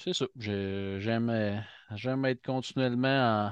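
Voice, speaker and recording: Fairly even intonation from a plain, everyday voice. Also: man. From Quebec, Abitibi-Témiscamingue. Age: 40s. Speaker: company CEO. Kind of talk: casual interview.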